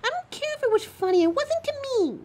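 A very high, lively young female thief, acted by a woman in an audio drama. She is flustered and indignant, chattering defensively with swooping pitch over background ambience. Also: a little fast. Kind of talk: scripted audio drama, one side of a phone call. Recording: clear background noise, coffee house ambience.

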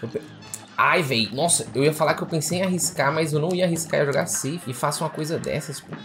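A man with a Brazilian Portuguese accent talks through a video game run, quick and excitable. He fires off repeated exclamations in bursts. Soft game music plays under his voice. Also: on the high side. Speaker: gamer. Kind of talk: let's play commentary.

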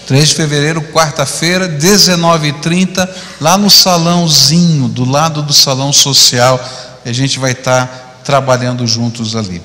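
A middle-aged male pastor delivers a sermon conversationally into a handheld mic on a large church auditorium stage, often tacking on tag questions. His voice runs on the high side, pushed and bright, at normal speed with fairly even intonation, and a long hall reverb trails it.

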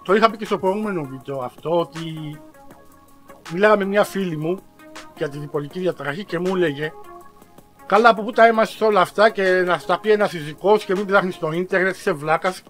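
A man with a notably high voice tells a story to his viewers in a casual vlog. He is dramatic and self-mocking, and he breaks into exaggerated outbursts. Faint music plays in the background. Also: fairly bright tone. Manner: addresses viewers directly, slangy and self-mocking. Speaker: vlogger.

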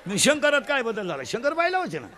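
A man from Maharashtra delivering a comic devotional sermon, animated, with loud bursts and mimicry of village folk. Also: extremely high pitch, a little fast, slight background noise. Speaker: kirtan preacher.

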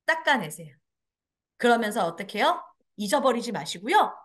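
A woman's voice: a little high, big pitch swings, moderate pace, a bit bright. A woman teaching a parenting class, acting out dialogue in exaggerated voices and quizzing her audience. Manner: asks the audience questions and answers them. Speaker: parenting education lecturer. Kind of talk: lecture to parents and children.

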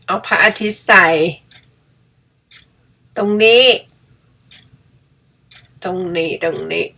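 While editing pictures, this middle-aged vlogger chats through a personal story, poking fun at herself and breaking into frequent laughter. She speaks in a bright, forceful, mid-range voice with a steady tone, drawing out her words.

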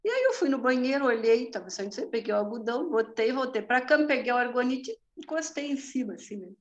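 Woman, casual testimonial over a video call; chatty and quick to laugh, slightly muffled audio. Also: fairly high pitch, lively intonation. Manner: chatty, laughs often, frequent tag questions. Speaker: therapy practitioner giving a testimonial.

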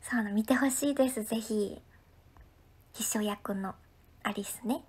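A woman with an Ehime accent, chatting casually on a livestream and reading out viewer comments. She is friendly and talkative and often drops into soft, breathy asides. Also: medium pitch, unhurried. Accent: Ehime Japanese. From Ehime, Japan.

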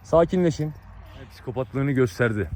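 A dog breeder vlogger with an animated, medium-pitched voice narrates to his viewers at normal speed while trying to separate two dogs fighting in an outdoor dog yard. He gives urgent, repeated commands, and the outdoor recording picks up dog noise.

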